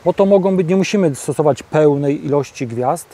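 A man hosting a casual interview outdoors in a farm field, talking in a halting way with many filler sounds. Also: on the high side, warm tone, husky. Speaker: host.

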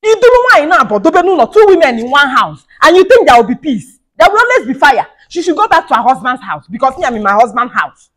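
A woman's voice: on the high side, expressive, fast talker, fairly bright tone. A woman playing a fiery young wife who rants and scolds, repeating herself. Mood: scolding. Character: fiery young wife feuding with her mother-in-law. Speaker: skit actor. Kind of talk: comedy skit acting.

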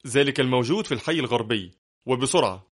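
A man reading a tense, wary man under threat in an audiobook, lifting his voice higher and sounding strained and irritated. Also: fast talker, fairly bright tone, natural voice. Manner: nervous and strained, sometimes mocking.

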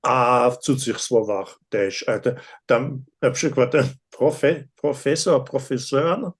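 A man joining a webinar discussion over a video call, halting and hesitant as he corrects himself. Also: mid-range voice. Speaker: webinar participant. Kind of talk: discussion with a lecturer.

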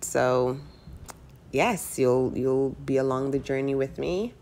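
Low, gravelly woman in her thirties. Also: slow, a little mellow, a little hiss or hum. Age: 30s. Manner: chatty, candid, with fillers like "like" and "right". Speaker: personal finance vlogger. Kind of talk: casual voice-over over screen recording.

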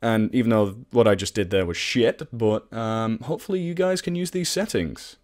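A man presenting a casual software tutorial in an informal, self-deprecating, sweary way. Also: fairly low pitch, moderate pace.

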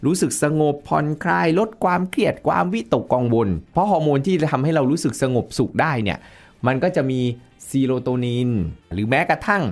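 A man's voice: fairly high pitch, animated, brisk, vocal fry, faint music behind. A man who is a nutrition expert, explaining as an interview guest in a casual, lecturing way, dropping in English technical terms.

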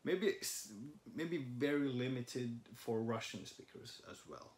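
A man's voice: medium pitch, animated, slow pace. A young man from Finland, a native Finnish speaker, hosting a casual language-study vlog from a living room sofa, thinking aloud with fillers. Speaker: vlog host. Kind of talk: casual chat. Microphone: camera in front of a couch.

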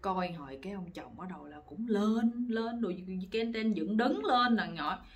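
A woman's voice: medium pitch, normal speed. Gossipy woman storyteller. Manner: lively, gossipy, laughs often. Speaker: storytelling channel host. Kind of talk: casual storytelling to viewers.

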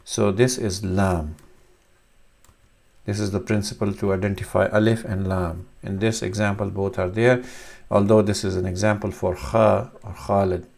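A man in his thirties whose first language is Urdu, teaching a reading lesson with slow, halting explanations and many fillers. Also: fairly low pitch, level tone, creaky, a little mellow. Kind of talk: screen-recorded reading lesson.

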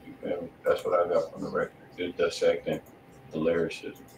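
Brief: lowish male stream co-host, blunt slangy reviewer, sounds distant in an echoey room, faint hum behind. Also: completely flat delivery, brisk, creaky, a little mellow. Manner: blunt, slangy critique with loose asides. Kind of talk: casual live stream chat. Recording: roomy sound, mic at a distance.

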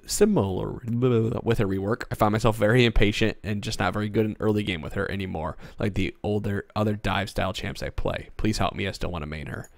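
A man's voice: lowish voice, creaky, fairly bright tone, no room sound. A man hosting a casual gaming podcast, his voice worn from a cold, coughing now and then. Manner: reads listener questions aloud, coughs. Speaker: podcast host.

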